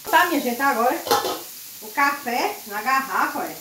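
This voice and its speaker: A woman vlogging casually while she cooks at the stove at home, loud and chatty, laughing often. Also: high voice, lively intonation, normal speed, background noise. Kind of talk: casual chat while cooking. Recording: echoey kitchen, mic set far off.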